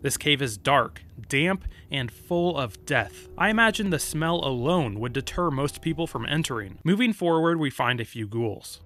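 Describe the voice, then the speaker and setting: A man reading scripted narration about video game lore, with deliberate, dramatic emphasis. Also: a little high, expressive, fairly bright tone, a little hiss or hum.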